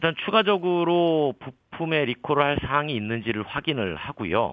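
Here is a man with an unremarkable speaking voice. He talks at a fairly slow pace with lively intonation. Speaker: automotive journalist. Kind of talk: radio expert interview. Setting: phone call.

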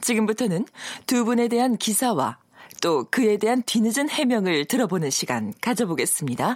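With lively intonation and vocal fry, a woman speaks at a fairly high pitch and a moderate pace, her loudness very even. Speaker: radio co-host. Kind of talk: reading aloud. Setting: radio studio.

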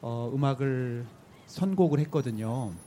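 This man's dark, mellow tone carries ordinary pitch variation. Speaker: film director. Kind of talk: talk show interview. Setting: outdoor open studio with live audience.

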